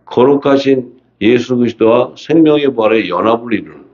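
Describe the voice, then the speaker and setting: A man preaching a seminar sermon in a colloquial, animated way, asking rhetorical questions and reading scripture aloud. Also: mid-range voice, a little fast. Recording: dull lo-fi audio.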